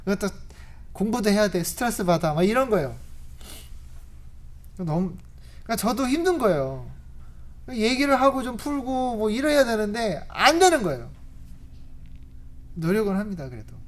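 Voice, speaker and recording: A woman's voice: mid-range voice, normal speed, pauses often. A woman preacher giving a conversational sermon at a church service, telling stories with rhetorical questions and laughing often. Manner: animated storytelling with rhetorical questions and frequent laughs.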